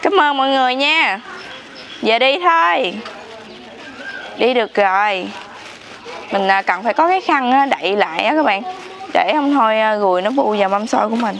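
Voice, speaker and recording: A young woman with a southern Vietnamese accent and a fairly high voice chats casually as a street food vendor. She is familiar and exclamatory, talking to customers and viewers. Street noise is clearly heard around her outdoors. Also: animated, moderate pace, pauses often, fairly bright tone. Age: young adult. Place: open roadside yard outdoors.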